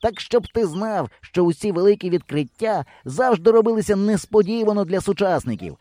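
A man reading an audiobook, voicing an excitable, boastful boy who exclaims and teases his friends. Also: high-pitched, a little fast, dry recording, pitched above the performer's own voice. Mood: persuasive. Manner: eager, exclaiming, sarcastic.

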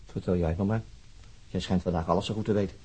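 An actor playing a brusque, weary police detective in a radio drama, gruff and very raspy, with a clipped, sardonic manner. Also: male voice, low-pitched, fairly even intonation, fast, darkish tone, a little hiss or hum, close to an everyday voice, rough recording. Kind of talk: naturalistic radio drama acting.

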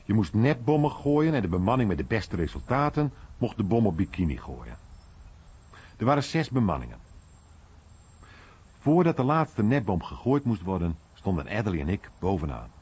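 A man's voice: fairly low pitch, sing-song, normal speed, a little mellow, husky, full character voice. A man playing a rueful American bombardier veteran telling his story colloquially in a radio play. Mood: rueful, animated. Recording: dull, band-limited radio recording.

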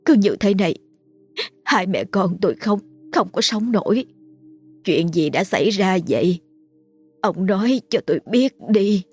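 Woman doing a scared grieving widow mom, low husky voice, pleading and teary. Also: normal speed, pauses often, faint music behind. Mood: tearful pleading. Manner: pleading, tearful. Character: grieving widowed mother, frightened but soothing.

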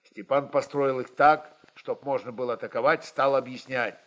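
A man's voice: mid-range voice, fairly even intonation, normal speed, fairly bright tone, highs cut off. A man narrating a literary historical story in a dramatic audiobook style.

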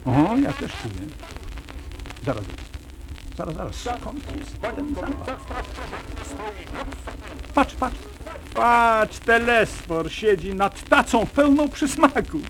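A man playing a playful gentleman friend of puppets, speaking theatrically as if to children in a musical show. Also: very high-pitched, sing-song, slow, pauses often, noisy background, exaggerated voice. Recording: music behind, old children's record.

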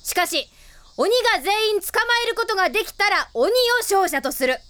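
A woman's voice: very high-pitched, animated, a little fast, bright, forceful tone, heavily acted. A woman voicing a bold, bossy girl who leads a club and barks out game rules, in an anime drama CD. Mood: commanding. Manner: commanding announcements.

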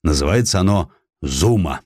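A man's voice: low voice, lively intonation, moderate pace, a little mellow, dry recording, studio quality. A man voicing a bold, free-spirited Cossack adventurer with blunt, folksy speech in an audiobook. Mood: earnest, boastful. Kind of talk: audiobook character acting.

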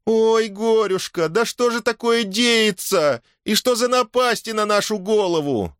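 A man's voice: high voice, unhurried, a bit bright, clean tone, no room sound, studio quality, voice pushed up. A man voicing a middle-aged peasant woman who wails and laments. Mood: lamenting. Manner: wailing, keening.

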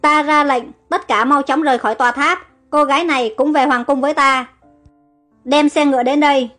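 A cruel, suspicious king barking commands in an audio storybook, read by a woman. The delivery is harsh and domineering but pitched high, with faint music behind. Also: steady tone, a little fast, fairly bright tone.

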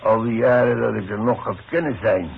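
An actor playing a proud, grumbling old demolition worker forced into retirement, gruff and halting, in a 1960s radio play. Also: male voice, medium pitch. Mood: bitter. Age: older. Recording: muffled, noisy 1960s radio broadcast.

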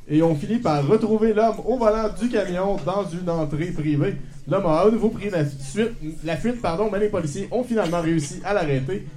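Male columnist, dry read-aloud delivery, high voice. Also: mellow. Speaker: news columnist. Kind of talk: reading comic news items.

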